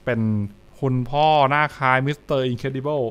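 A man's voice: mid-range voice, level tone, slow pace, a bit bright. A young adult man, giving casual live reaction commentary and repeating short phrases as he thinks aloud. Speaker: streamer reacting to horror comics. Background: music.

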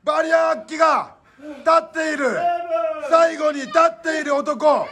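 Breathless shouting male wrestling commentator, very high-pitched. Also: measured pace. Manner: breathless, rising, like goal commentary, shouting and repeating phrases. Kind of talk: live pro-wrestling play-by-play commentary. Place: small indoor wrestling room. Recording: noisy small room with crowd din.

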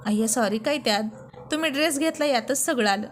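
A woman's voice: high voice, brisk, slight background noise, natural voice. A woman voicing a shy, coy young bride in a spoken storybook, talking with mock annoyance. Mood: sweet.

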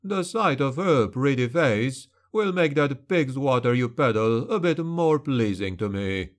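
A man voicing an arrogant young nobleman bully in an audiobook, snarling and mocking with a slight drawn-out lisp. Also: medium pitch, animated, natural voice. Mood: menacing.

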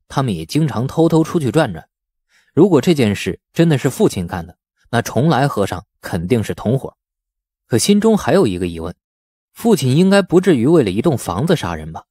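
A man's voice: mid-range voice, dark tone, no echo, clean studio sound. A man reading a novel aloud as an audiobook narrator, in a dramatic storytelling style.

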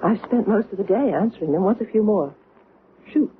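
A woman's voice: medium pitch, expressive, a little fast, natural voice. An actress playing a poised, frank young mother troubled by a strange encounter, in a direct, dry radio drama style. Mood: wry, direct. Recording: muffled, noisy old radio recording.

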